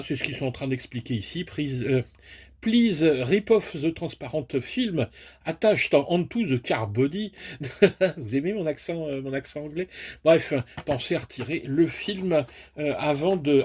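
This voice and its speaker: Male reviewer, husky tone, chatty casual unboxing, talks viewers through it step by step. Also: fairly high pitch, a little mellow. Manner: chatty, self-mocking, explains step by step. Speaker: toy and hobby product reviewer.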